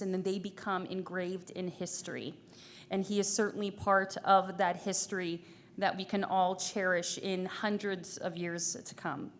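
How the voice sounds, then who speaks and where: Woman presenter, medium pitch, formal tribute speech, live event, faint background noise. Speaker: ceremony presenter.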